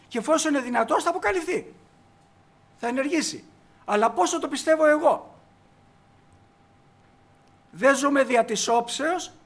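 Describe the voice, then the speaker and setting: High-voiced emphatic male preacher. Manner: emphatic, asks the congregation rhetorical questions. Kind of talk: sermon.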